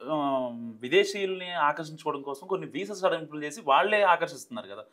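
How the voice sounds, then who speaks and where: A man hosts a news interview show. His voice sits a bit high and he talks very quickly, introducing and questioning as he goes. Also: expressive, fairly bright tone. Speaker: host interviewing an analyst.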